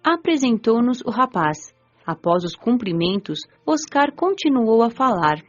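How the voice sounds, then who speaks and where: A woman narrating a dramatized audiobook in a gentle, reflective way. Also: on the high side, very animated, a little slow. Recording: slightly dull audio. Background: soft background music.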